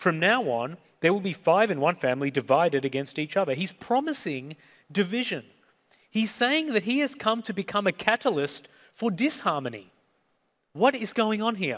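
His high voice makes very wide pitch swings. The man keeps a moderate pace. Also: very clean recording, silent background. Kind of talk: sermon. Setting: church with audience.

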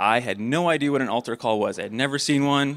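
A man with an American accent and an ordinary speaking voice, at medium pitch and a fairly quick pace, with ordinary pitch variation. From northern Wisconsin, US. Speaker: church elder candidate giving testimony. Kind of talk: testimony. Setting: church with congregation. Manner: warm, earnest, conversational.

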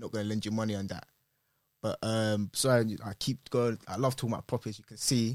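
A man with a London accent talks very fast at a medium pitch, his loudness swinging widely while his intonation stays fairly even. The recording is very clean and dry, with a silent background and no echo. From northwest London. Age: 20s. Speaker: property investor. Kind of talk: casual interview chat.

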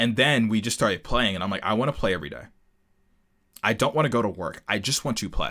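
In a very clean recording with a silent background, a man with an American accent speaks in an animated, bright and sharp tone, his fairly low voice moving with lively intonation. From United States. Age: 20s. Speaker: podcast host. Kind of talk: casual solo monologue.

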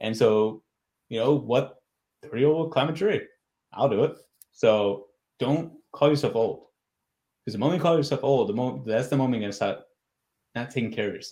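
A man with an animated tone and lively intonation. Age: 30s. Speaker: podcast host. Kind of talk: casual interview chat.

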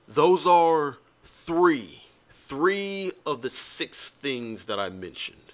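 Very slow speech from a man with a fairly high pitch and an American accent. His pitch swings very widely. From United States. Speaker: podcast host. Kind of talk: monologue commentary. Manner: halting.

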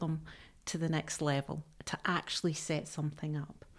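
A woman's very deep, low voice on a very clean recording with a silent background. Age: 50s. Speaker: university enterprise manager. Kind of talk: interview. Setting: studio.

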